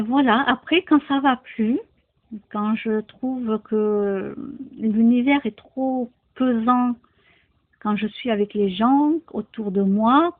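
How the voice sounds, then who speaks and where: A woman chatting casually and frankly to her viewers, with hesitant phrasing. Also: fairly high pitch. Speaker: vlogger. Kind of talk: casual personal talk to viewers. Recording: thin phone-like sound.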